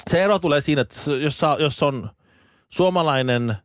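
A Finnish man co-hosting a podcast, chatting in an animated, rambling way with many restarts. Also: on the high side. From Finland. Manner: animated, rambling, with false starts. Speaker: podcast co-host. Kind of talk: casual chat.

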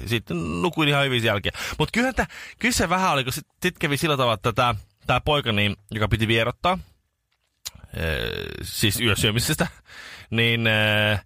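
A male radio morning show host telling a rambling, animated anecdote in casual chat, with many restarts. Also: mid-range voice, dry recording, clean studio sound.

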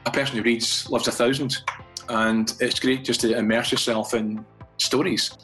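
A man's voice: mid-range voice, level tone, normal speed, a bit bright, soft background music, poor audio. An older Scottish man, a guest from a fathers' charity, chatting in a radio interview and often repeating words as he restarts his thoughts.

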